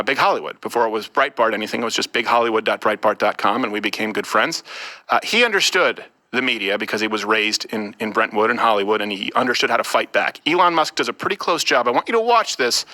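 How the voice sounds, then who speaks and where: Forceful, bright-voiced man hosting political talk. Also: mid-range voice. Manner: emphatic, repeats phrases for effect. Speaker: talk show host. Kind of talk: opinionated political commentary.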